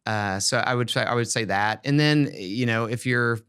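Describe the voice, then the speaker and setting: Man podcasting, halting conversational style. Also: mid-range voice, fairly bright tone, smooth. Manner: halting, repeats words while thinking aloud. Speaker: podcast host. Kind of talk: casual conversational advice on an education podcast.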